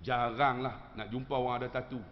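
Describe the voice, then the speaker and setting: A man preacher with a Malaysian Malay accent telling an animated, humorous story to his congregation. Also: mid-range voice, fairly quick. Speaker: religious teacher. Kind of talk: storytelling sermon. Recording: dull lo-fi sound with long hall reverb.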